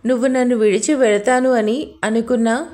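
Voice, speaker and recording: A woman's voice: fairly high pitch, fairly even intonation, normal speed, mellow, lightly acted. A woman voicing an intense, devoted young husband in a storybook audio drama, speaking emotionally. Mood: pleading.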